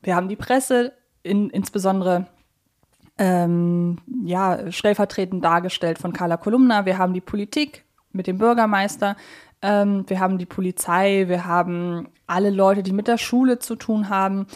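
A woman's voice: medium pitch, steady tone, normal speed. A woman hosting a podcast, talking casually in a reflective, explanatory way as she works through her points. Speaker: podcast host.

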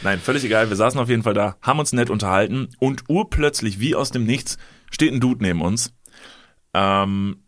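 A man from Cologne hosts a casual podcast, spinning an anecdote in an animated way with plenty of ums. His voice sits low and he is recorded close on a dry microphone. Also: fairly quick, dry recording. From Cologne, Germany. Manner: animated anecdote telling with many fillers. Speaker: podcast host. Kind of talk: casual storytelling chat.

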